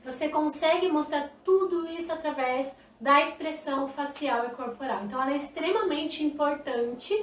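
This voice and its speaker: Mulher brasileira de voz aguda, ensinando em live. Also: female voice, sits high, normal speed, few pauses, roomy sound, distant mic. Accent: Brazilian Portuguese. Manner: lively, demonstrative, talks to viewers directly. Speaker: sign language teacher. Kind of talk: live online lesson. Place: indoor room, live stream.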